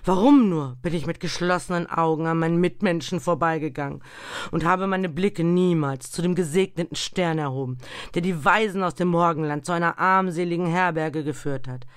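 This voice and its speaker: A reader voicing an anguished old male ghost in chains, declaiming loudly in a very dry recording. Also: mid-range voice, moderate pace, smooth, no room sound, natural voice. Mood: lamenting. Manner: loud, pleading declamation with sudden whispers. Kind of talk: audiobook reading.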